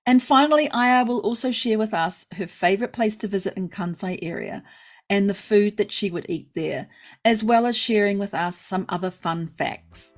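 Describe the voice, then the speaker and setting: A woman's voice: mid-range voice, moderate pace. A woman hosting a podcast interview, chatting casually and encouraging her guest with enthusiasm. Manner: enthusiastic, encouraging, laughs often. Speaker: podcast host.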